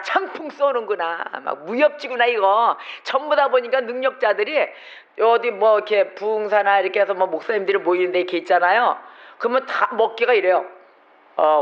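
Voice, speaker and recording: A man preaches a Sunday sermon in a high, animated voice, keeping it conversational and firing off rhetorical questions. The recording is slightly muffled, as from a church sanctuary. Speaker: pastor.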